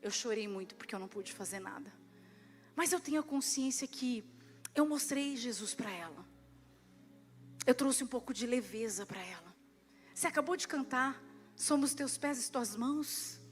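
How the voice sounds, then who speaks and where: A Brazilian woman pastor preaching at a church service, lively, swinging between loud and hushed, and acting out prayers and dialogue. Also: a little high, moderate pace, pauses often, soft background music. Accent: Brazilian Portuguese. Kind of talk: sermon.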